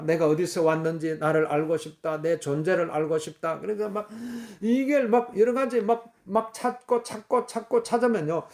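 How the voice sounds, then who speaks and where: A male pastor preaching a fervent sermon, repeating phrases, often clearing his throat and using many fillers. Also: sits high, darkish tone.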